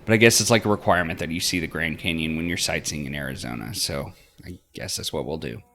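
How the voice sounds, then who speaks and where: A man voicing a wry, teasing but soft-hearted young woman in visual novel dialogue, talking casually. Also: a bass voice, quick pace, full character voice. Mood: generous, teasing.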